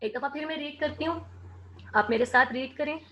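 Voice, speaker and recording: High-voiced woman teacher spelling slowly. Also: bright, forceful tone, muffled recording. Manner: slow, clear letter-by-letter spelling. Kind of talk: classroom lesson for children.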